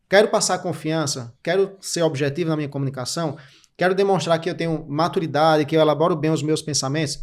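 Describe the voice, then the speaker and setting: A Brazilian man in his thirties, a podcast guest, explaining career habits in quick, clipped lists with lots of energy. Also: a little high. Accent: Brazilian Portuguese. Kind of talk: didactic interview talk.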